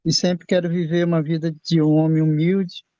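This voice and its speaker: A man in his sixties from Brazil, telling his own faith testimony in a halting way, often repeating and restarting his words. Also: a little high, little pitch movement, warm tone, no room sound. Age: 60s. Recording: dull lo-fi sound.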